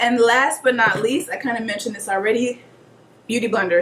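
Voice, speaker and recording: A woman with a fairly high voice and ordinary pitch movement speaks over noticeable background noise. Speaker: beauty vlogger. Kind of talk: product recommendation tutorial. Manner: casual, chatty; fast.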